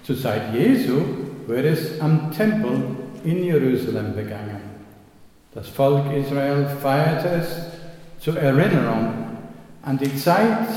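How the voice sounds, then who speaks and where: A man from Australia, giving a sermon as a pastor in slow, measured speech with occasional slips. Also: mid-range voice, dark tone. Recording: echoey church hall, long reverb.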